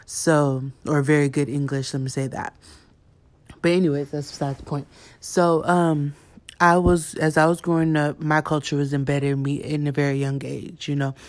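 Flat-toned young woman telling her story. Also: sits low, moderate pace. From Houston, Texas, USA. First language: Yoruba. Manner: candid and chatty, many fillers like "you know". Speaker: podcast host. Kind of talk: personal storytelling.

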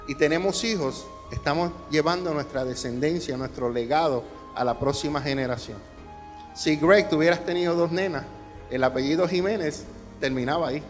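High-voiced male pastor preaching in a hall. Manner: preaching with rising emphasis and rhetorical questions to the congregation. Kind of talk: sermon. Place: church hall. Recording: long hall reverb with faint music.

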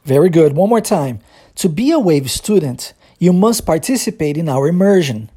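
An English teacher from Brazil with a Brazilian Portuguese accent gives a podcast lesson. The teacher explains patiently, then says short phrases slowly and repeats them for drilling. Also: medium pitch, expressive, dark tone, slightly rough.

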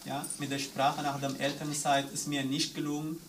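A man's voice: a little high, level tone, normal speed. Earnest man speaking German as a second language, from afar. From Eritrea. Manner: earnest, searching for words in non-native German. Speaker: discussion participant, father. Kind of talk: personal account in a discussion round. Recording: distant mic with faint room noise.

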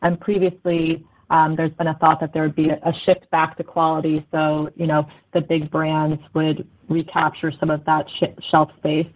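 A woman's voice: low voice, monotone, normal speed, few pauses. A woman working as a financial analyst, asking unscripted questions on an earnings call over the phone. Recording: thin narrow phone line.

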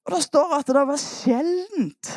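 Animated woman preacher retelling a Bible story. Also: high-pitched, no room sound, clean studio sound. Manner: animated storytelling, coaxing listeners to act parts. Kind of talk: lively sermon, Bible story retold with volunteers.

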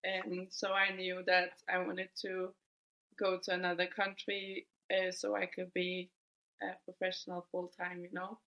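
A woman in her twenties from Denmark, telling her story as a guest in a podcast interview, relaxed and thoughtful. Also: on the low side, measured pace, muffled recording. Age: 20s. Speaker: guest footballer.

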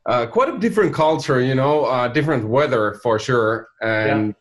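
A middle-aged man from Finland speaks English with a Finnish accent. He is a guest on a business chat show, and he talks in a halting way full of fillers and restarts. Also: mid-range voice, expressive. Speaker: company founder, guest. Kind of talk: casual interview talk.

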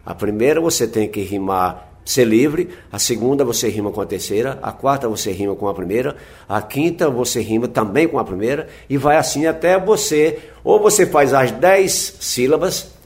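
A man's voice: medium pitch, expressive, moderate pace. A man, a folk singer-poet, speaking in a reflective interview and explaining things patiently with frequent tag questions.

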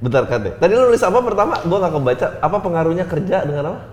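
A woman, co-hosting a casual chat with quick, teasing reactions. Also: fairly low pitch, lively intonation, darkish tone. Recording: echoey room, long reverb.

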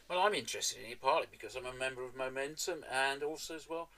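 Bright, forceful male panel guest. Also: medium pitch, quick pace. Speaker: guest, political activist. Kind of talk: conversational panel talk.

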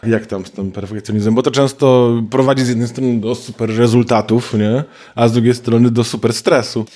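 A man's voice: medium pitch, fairly even intonation, fairly quick, dark tone. A man hosting a casual interview, asking questions in a thoughtful way with hesitant fillers.

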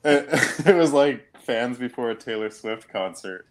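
A man appearing as a guest on a podcast, chatting casually in a relaxed, amused way. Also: mid-range voice, measured pace. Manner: relaxed, amused, laughs often. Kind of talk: casual chat.

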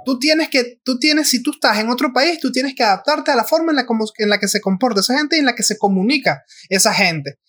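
A young man with a high-pitched voice talks casually on a podcast. He stumbles and restarts often. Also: expressive, fairly quick, hardly any pauses, a bit bright. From Venezuela. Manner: restarts, mimics Spanish and Argentine slang for laughs. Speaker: podcast co-host. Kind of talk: casual chat.

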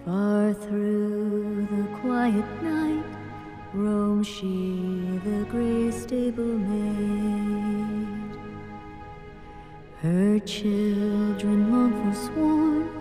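A woman's voice: mid-range voice, very slow. A woman playing a crew member in an audio drama, singing a solemn old folk ballad. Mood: mournful, soaring. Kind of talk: slow sung ballad. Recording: long echoing reverb, music behind.

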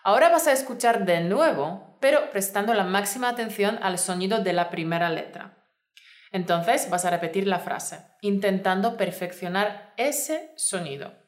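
A woman, giving clear step-by-step instructions in a scripted podcast lesson. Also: mid-range voice, expressive, normal speed. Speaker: Spanish teacher. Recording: roomy echo.

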